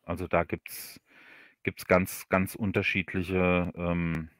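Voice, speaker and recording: Low-voiced man explaining in casual conversation. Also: flat delivery, fairly bright tone, dry recording, clean studio sound. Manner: explanatory, halting, repeats words as he thinks. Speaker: audio drama author, livestream guest. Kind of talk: casual interview chat.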